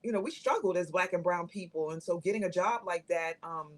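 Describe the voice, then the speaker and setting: A woman's voice: lowish voice, a little fast. A woman in her fifties speaking candidly as a guest on a live talk show, reflective and thoughtful. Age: 50s.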